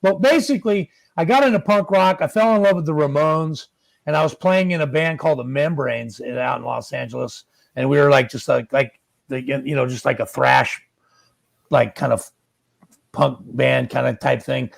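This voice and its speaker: A man's voice: mid-range voice, moderate pace, creaky, dry recording. A man in his fifties or older chatting casually as a musician guest, acting out bits of dialogue. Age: 50s or older. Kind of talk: casual chat.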